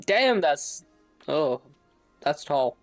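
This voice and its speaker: Casting: male game streamer, slow and rambling, salty, dry close sound with game music behind. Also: fairly high pitch, big pitch swings, no room sound. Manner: rambling, thinking aloud, salty. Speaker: game livestreamer. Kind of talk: casual gaming stream commentary.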